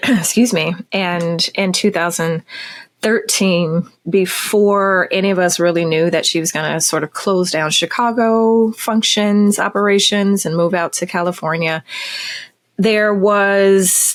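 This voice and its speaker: In a normal speaking voice, a woman talks at a fairly slow pace with a medium pitch and fairly even intonation. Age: 40s. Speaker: portrait photographer. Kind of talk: podcast interview.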